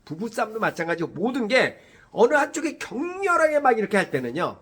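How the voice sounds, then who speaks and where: A middle-aged man gives a morning-broadcast talk in a husky, fairly high voice. His pitch leaps around wildly as he slips into quoted voices and punctuates his points with short affirmations. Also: a little fast. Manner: animated, acts out quoted voices, frequent "예" fillers. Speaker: host.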